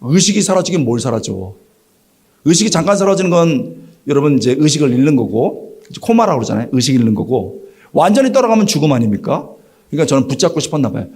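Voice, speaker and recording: A man's voice: a little high, big pitch swings, fast talker, darkish tone. A man in his sixties, a pastor preaching a sermon at an evening church service. He tells personal stories and acts out the dialogue in them. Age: 60s. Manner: storytelling, acting out quoted dialogue.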